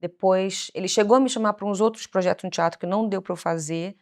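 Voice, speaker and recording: Gravelly-voiced woman telling stories. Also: mid-range voice, fast talker. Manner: animated storyteller, acts out quoted dialogue. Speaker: guest, actress and singer. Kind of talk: casual interview chat.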